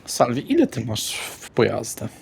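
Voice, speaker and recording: A man's voice: medium pitch, wildly swooping pitch, moderate pace, gravelly, breathy edge. A man narrating a tabletop role-playing game as its game master. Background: music.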